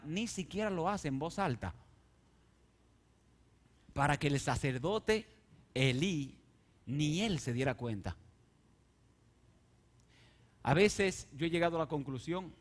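A man preaching a sermon, swinging from soft, intimate asides to loud, rising appeals and question-and-answer calls to the congregation. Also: on the high side. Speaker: pastor.

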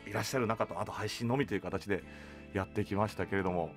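A man's voice: lowish voice, quick pace, faint music behind. A man hosting a casual radio chat, agreeable and complimentary toward his guests. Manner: agreeable, frequent backchannels, complimentary. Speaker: radio show host. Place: radio studio, masked at a table. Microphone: studio boom microphone.

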